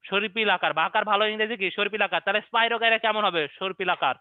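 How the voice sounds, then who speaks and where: High-voiced man drilling biology by repetition. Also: quick pace, dry recording. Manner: repetitive question-and-answer drilling with memory tricks. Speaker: biology teacher. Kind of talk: online class lecture. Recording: dry, narrow phone-like online stream.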